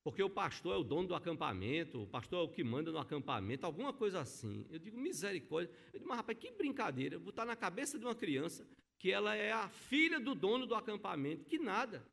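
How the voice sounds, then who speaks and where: A middle-aged man preaches a sermon in a church. His voice sits high and leaps around with lively, expressive swings. He tells stories with emphasis and acts out the people he quotes. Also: fast, vocal fry, few pauses. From Brazil. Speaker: pastor. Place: church sanctuary.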